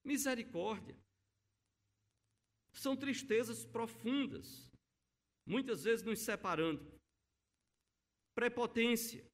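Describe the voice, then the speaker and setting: A man's voice: very high-pitched, slow, pauses often. A middle-aged male pastor, preaching a sermon in a church and telling stories with emphatic, acted-out quotes. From Brazil. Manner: storytelling, acting out quoted voices, emphatic. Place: church sanctuary.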